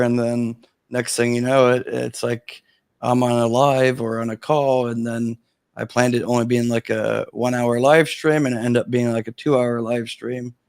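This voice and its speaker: A man's voice: mid-range voice, a little mellow, clean tone, no echo, clean studio sound. A man hosting a livestream, easygoing and loose, with lots of "you know" fillers. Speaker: livestream host. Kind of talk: casual livestream chat.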